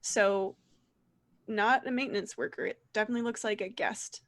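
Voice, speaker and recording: Relaxed woman narrating a tabletop game. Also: mid-range voice, normal speed. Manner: loose, full of fillers and laughs. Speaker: game master.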